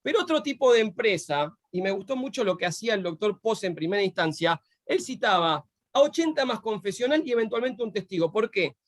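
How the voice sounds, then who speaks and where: Man hosting, high pitched, dry close sound, polite talker. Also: expressive, brisk, few pauses, no echo. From Argentina. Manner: courteous, chatty, reads off names. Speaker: interview host. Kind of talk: live online interview.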